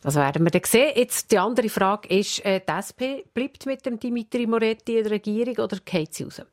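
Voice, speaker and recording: A woman's voice: on the high side, a little fast. A woman with a Swiss German accent asking questions in a conversational radio news interview.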